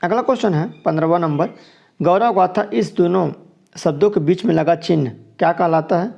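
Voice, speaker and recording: In this exam walkthrough lesson, a man from Chhattisgarh, India, with a deep, gravelly, dark voice pitched a little high, takes a grammar class through each multiple-choice question. He explains every answer step by step and says it twice, speaking briskly on a muffled recording.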